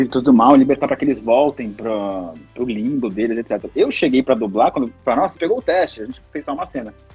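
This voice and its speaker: A man at medium pitch, very fast with hardly any pauses and ordinary pitch variation, over music in the background. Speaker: voice actor. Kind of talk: interview answer.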